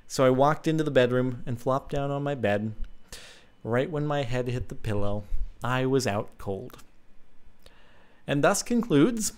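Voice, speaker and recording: A young man, host of his channel, casually reading a fan story aloud with frequent ums and chuckling asides. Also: medium pitch.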